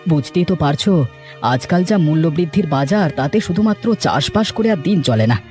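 A man's voice: on the high side, animated, normal speed, a little mellow, soft background music, close to an everyday voice. A man voicing a poor, trusting village farmer in a cartoon, meek and plaintive. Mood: sorrowful, pleading. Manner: plaintive, pleading. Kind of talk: dramatic cartoon voice acting.

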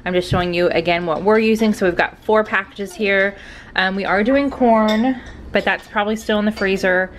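A woman's voice: mid-range voice, normal speed, slight background noise. Chatty woman vlogging outdoors. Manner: chatty, addresses viewers as "you guys". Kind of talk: casual cooking vlog narration. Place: outdoor deck by a lake.

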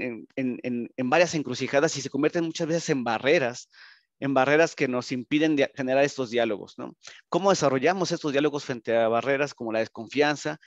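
Male presenter, Mexican accent, mid-pitched voice, halting academic delivery over dull video-call audio. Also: no room sound. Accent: Mexican Spanish. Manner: halting, frequent tag questions. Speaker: researcher presenting at a conference. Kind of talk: conference presentation. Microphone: video call, computer microphone.

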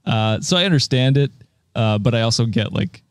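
A man's voice: mid-range voice, expressive, a little fast, smooth, no room sound, clean studio sound. A man co-hosting a podcast, chatting casually, rambling, laughing often and swearing. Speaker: podcast co-host. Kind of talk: casual chat reacting to a post.

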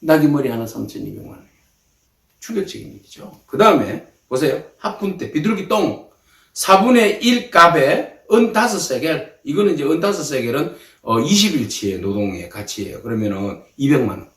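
A male pastor, preaching a sermon in an animated way and acting out the people in the story. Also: on the high side, normal speed. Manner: animated, voices the king and the women in short quoted bursts. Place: church sanctuary. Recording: echoey room from a distance.

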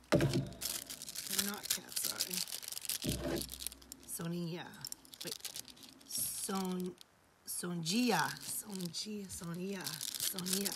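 Hoarse woman, live jewelry seller, slow talk, breaks into whispers, noisy webcam audio. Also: medium pitch. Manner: chatty and affectionate, often drops to a whisper. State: losing her voice, hoarse and whispering. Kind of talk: live-stream sales chat. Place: indoor home studio.

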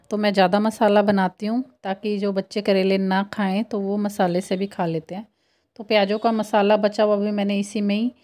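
A woman's voice: mid-range voice, a little mellow. A woman in her thirties, a home cooking vlogger, chatting to viewers as she explains each step. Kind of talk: casual cooking voice-over.

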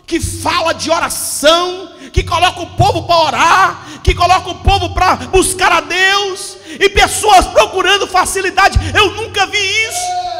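Fervent shouting preacher man in his forties. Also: extremely high pitch. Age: 40s. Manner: fervent, often shouting and gesturing with a handheld mic. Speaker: pastor. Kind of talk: impassioned Pentecostal sermon. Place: church hall with a stage backdrop. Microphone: handheld microphone. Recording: long hall reverb.

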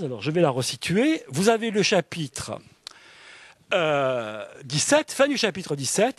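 A man's voice: a little high, husky, no echo. Enthusiastic male lecturer, dry sound. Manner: enthusiastic, fond of "alors" and "hein". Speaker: literature lecturer. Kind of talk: academic lecture with passages read aloud. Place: public library event.

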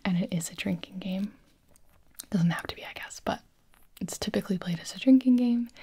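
Breathy whispering young woman. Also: medium pitch, warm tone. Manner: whispering throughout, chatty and playful. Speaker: ASMR creator. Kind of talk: whispered ASMR explaining party games.

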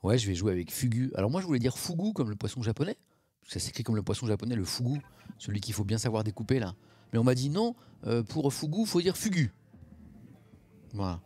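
A man's voice: medium pitch, expressive, fast talker, mellow, slightly rough, dry recording. A man, chatting casually on a live stream, reacting to chat and mocking himself.

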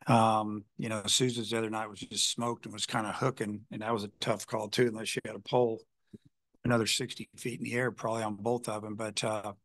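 A man's voice: lowish voice, no echo. A male baseball head coach answering reporters after a game, rambling with lots of "you know" fillers and restarts. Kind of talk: postgame press conference answers.

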